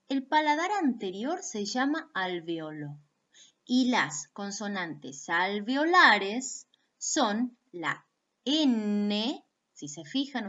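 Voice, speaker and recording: A woman's voice: mid-range voice, a bit bright, dull audio. A woman from Argentina with an Argentine accent, giving a recorded phonetics lesson and patiently sounding out examples for her students. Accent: Argentine Spanish. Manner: patient, demonstrates sounds aloud, addresses students directly. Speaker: phonetics teacher. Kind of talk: recorded video lecture.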